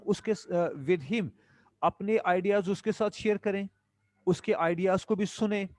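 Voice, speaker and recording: A man giving a classroom lecture. He reads English lines slowly, then explains each one at length in Urdu. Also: high-pitched, darkish tone, no room sound.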